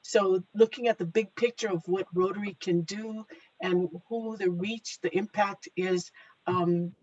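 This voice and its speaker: A woman's voice: medium pitch, fairly even intonation, unhurried, a little mellow. A woman leads a video call, upbeat and explanatory as she sums up points. Her audio is dull and lo-fi, a little muffled. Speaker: meeting chair. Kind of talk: leading a video meeting.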